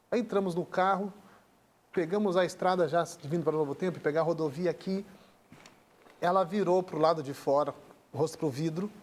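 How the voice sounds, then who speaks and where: A man with a Brazilian Portuguese accent telling an emotional personal story as a guest on a talk show, acting out the dialogue as he goes. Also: high voice. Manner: earnest, acts out dialogue in the retelling.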